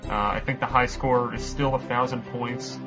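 A man hosts a casual podcast quiz game, loosely rambling through the rules with plenty of "uh" fillers. His medium-pitched voice is steady and moderately paced, heard over music.

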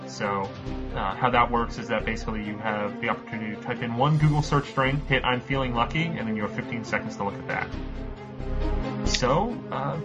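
A man's voice: mid-range voice, lo-fi sound. A man hosting a casual podcast quiz game, rambling through the rules with lots of fillers. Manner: rambling, many uh fillers, loose explaining. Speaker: quiz show host.

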